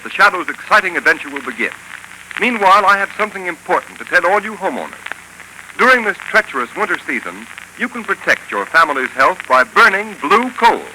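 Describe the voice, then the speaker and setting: An emphatic male announcer reads a 1930s radio sponsor spot and program intro. His voice is very bright and rises and falls a lot, slightly raised in pitch. Faint hiss of an old broadcast recording runs behind him. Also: rough recording. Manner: emphatic, declamatory.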